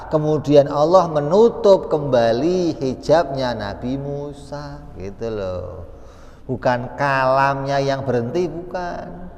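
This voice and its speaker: A man giving an Islamic study lecture in a conversational way, asking questions and answering them himself. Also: on the high side. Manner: conversational, asks and answers his own questions. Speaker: religious teacher. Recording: long reverb in a hall.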